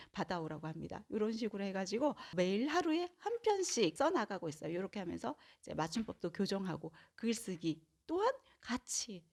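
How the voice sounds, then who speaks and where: A woman who is a parenting educator, explaining to viewers in an animated way and acting out bits of dialogue. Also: mid-range voice.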